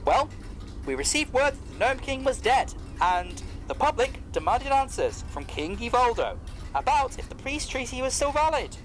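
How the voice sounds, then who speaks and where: A man's voice: very high voice, big pitch swings, moderate pace. An actor playing a polite, loyal clockwork man who explains things formally in an audio drama. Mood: matter-of-fact. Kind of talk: scripted audio drama acting.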